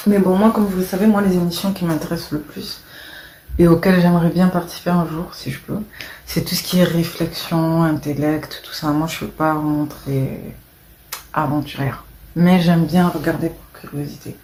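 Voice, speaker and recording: A woman's voice: low-pitched, fairly even intonation, moderate pace, a little hiss or hum. Rambling woman in an echoey room. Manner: rambling, hesitant, trails off softly. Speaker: vlogger. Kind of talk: casual chat to camera.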